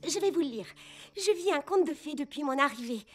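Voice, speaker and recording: A woman voicing an emotional, clumsy young girl in a children's cartoon, expressive and full of exclamations. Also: high voice, fairly quick. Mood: excited. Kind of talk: animated children's cartoon dub. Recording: music behind the voice.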